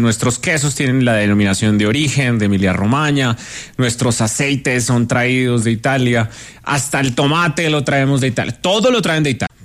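A man interviewer asking a long question in a casual, conversational tone. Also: mid-range voice.

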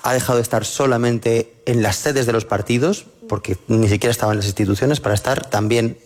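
A man's voice: mid-range voice, steady tone, fairly quick, darkish tone. Man giving political commentary in a reverberant hall. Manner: earnest, argumentative. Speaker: panel guest.

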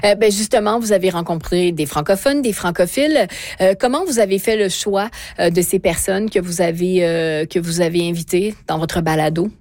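A woman's voice: lowish voice, normal speed, a little mellow, dry recording. Woman radio host, dry studio sound. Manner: conversational, some fillers. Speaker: radio morning show host. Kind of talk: radio interview.

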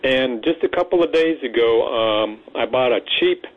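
A man's voice: mid-range voice, animated, normal speed. A man in his seventies calling in to a radio show over a landline phone, telling a rambling, easygoing story in casual chat. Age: 70s. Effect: heard over a landline phone. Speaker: radio call-in caller. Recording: dull landline phone line.

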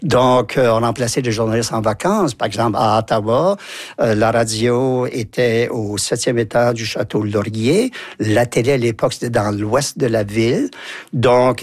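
An older man from New Brunswick with an Acadian French accent, a former journalist telling lively stories in an interview. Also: medium pitch, normal speed, no room sound. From New Brunswick, Canada. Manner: lively anecdotal storyteller, acts out quotes. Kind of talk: storytelling interview.

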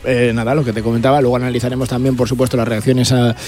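A man's voice: medium pitch, flat delivery, racing, darkish tone, soft background music. A man reporting on a cycling race for radio, fluent and detailed. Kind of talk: live sports report.

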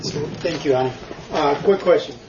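A man in the audience asking direct, quick questions. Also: a little high. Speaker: audience member. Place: bookstore event audience. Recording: distant, muffled, faint hiss.

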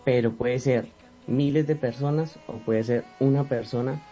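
A man's voice: mid-range voice, fairly even intonation, a little slow, warm tone, soft background music. A young man, a Christian musician answering interview questions in an earnest, reflective way. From Colombia. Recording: dull lo-fi recording.

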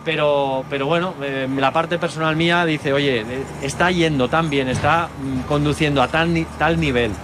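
A man from Barcelona with a light Catalan accent, a team guest who answers in a measured, hesitant way with many fillers. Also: a little high, fairly even intonation, background noise. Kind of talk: outdoor interview.

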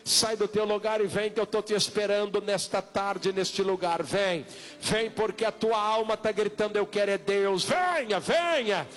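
Male Brazilian evangelical pastor, high-pitched voice, insistent and repetitive altar-call delivery with drawn-out words. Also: fairly bright tone. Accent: Brazilian Portuguese.

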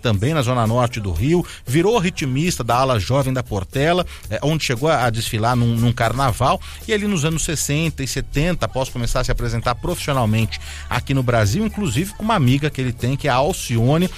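A male radio presenter talks through a feature in an easy, chatty way, with a mid-pitched voice. He strings his story along with fillers and asides. Soft music plays faintly under the broadcast sound. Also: lively intonation, brisk, hardly any pauses.

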